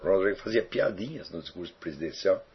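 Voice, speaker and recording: A man's voice: deep voice, animated, fast talker, a little hiss or hum. A man, a philosophy teacher answering student questions in a rambling, reflective way with frequent tag questions. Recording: dull lo-fi recording.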